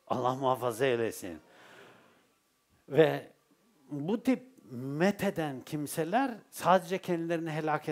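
Animated Turkish man giving a Sufi talk. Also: on the high side. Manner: lively storytelling with rhetorical questions. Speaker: Sufi teacher. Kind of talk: religious talk.

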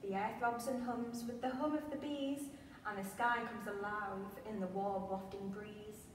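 A woman voicing a busy family of hares, quick and a little dismissive. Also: medium pitch, steady tone, a little hiss or hum, lightly acted. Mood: brisk. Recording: echoey hall, from far off.

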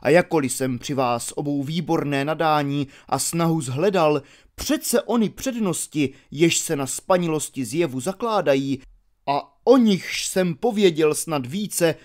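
A man voicing a genial, seasoned Roman orator in an audiobook reading of a classical dialogue, with deliberate, instructive delivery. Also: fairly high pitch, a little mellow, natural voice. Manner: deliberate, instructive delivery of long archaic sentences.

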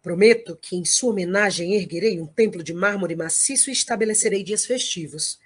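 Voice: medium pitch, a little fast, breathy edge, natural voice. An actor with a Brazilian accent playing an earnest, nagging heroic father in an audio drama. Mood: solemn. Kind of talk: comic audio drama acting.

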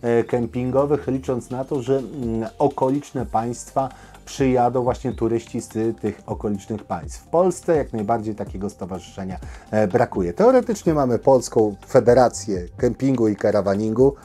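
A man hosts an informal news show in a dark, relaxed voice at a medium pitch. He talks straight to his viewers and gives his opinions freely, often pausing mid-phrase to find the next word. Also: husky. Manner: opinionated, addressing viewers directly. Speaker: host of a camping news show.

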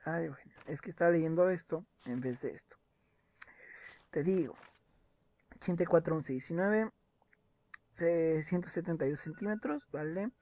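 A man's voice: on the high side, moderate pace, pauses often, warm tone. Young man muttering over gameplay. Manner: mutters and reads documents aloud, joking asides. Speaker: gaming video host. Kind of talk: gameplay commentary.

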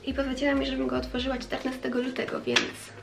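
A woman's voice: high-pitched, monotone, quick pace, vocal fry, loud music behind the voice. A woman in her twenties with a congested, pinched-sounding nose from a cold, chatting casually to camera in speech. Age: 20s. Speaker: vlogger. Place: small bedroom, indoors. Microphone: camera a short distance away on a bed.

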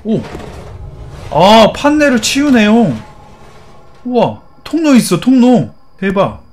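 A man's voice: sits high, sing-song, slow, darkish tone, slight background noise. A man playing a horror game and commenting, teasing the characters in playful chatter. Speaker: gaming YouTuber.

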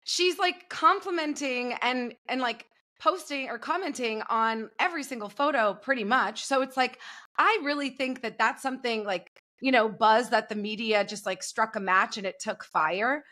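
A young woman speaking from a room at home over a video call, a guest on a pop culture podcast. Her voice is bright and sharp, and she talks in a chatty, gossipy way. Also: a little high, normal speed. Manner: chatty, gossipy, laughs easily. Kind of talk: casual pop culture chat. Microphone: video call with earbuds.

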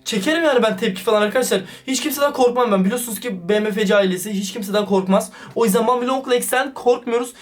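A man doing excited, casual vlog commentary, slangy and talking straight to his viewers. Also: very high-pitched, fast, few pauses. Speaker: YouTuber reacting to a chat. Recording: distant mic with background music.

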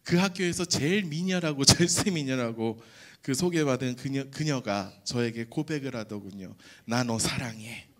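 Animated man telling a testimony. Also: medium pitch, normal speed. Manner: animated storytelling, acts out quoted voices, jokes with congregation. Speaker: pastor giving testimony. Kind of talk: testimony sermon at Friday prayer service.

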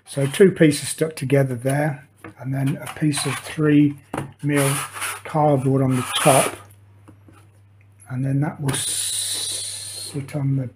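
A man's voice: fairly high pitch, darkish tone, a little hiss or hum. An older man who explains a model-making build in a casual, hesitant way, with many fillers and restarts. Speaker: model maker demonstrating. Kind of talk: hobby tutorial, casual talk while working. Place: indoor workshop table.

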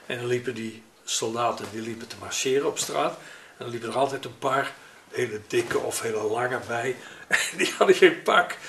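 With a mid-range, fairly bright voice, an elderly man from the Netherlands pauses and hesitates as he chats about his childhood memories for an interview. The setting is his living room at home, and the sound is echoey with faint noise.

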